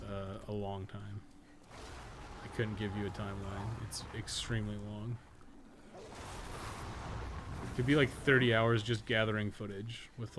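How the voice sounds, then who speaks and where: A man giving casual live game-stream commentary, swearing freely and talking to viewers in a halting, colloquial, thinking-aloud way. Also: on the low side. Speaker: game streamer and guide maker. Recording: clear background noise and ambience.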